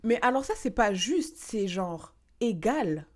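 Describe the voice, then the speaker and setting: A woman from France co-hosting a podcast, talking in a lively, casual way and repeating phrases as she builds her point. Her voice sits at a middle pitch, and she slips into English now and then. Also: a little slow. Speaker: podcast co-host. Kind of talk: casual chat, mixing French and English.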